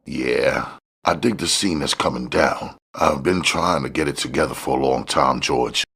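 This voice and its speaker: A man's voice: extremely low pitch, measured pace, gravelly, fairly bright tone, breathy edge, heavily acted. A man voicing a young, edgy, hip novice drug dealer in an audiobook, talking in street slang. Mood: cool, mellow. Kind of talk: audiobook character dialogue.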